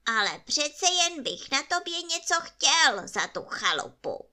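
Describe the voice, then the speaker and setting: A woman voicing a grumpy, prickly little male forest imp with a squeaky voice, in bedtime storytelling. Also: very animated, sharp tone, heavily acted. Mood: sly. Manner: cross, scolding.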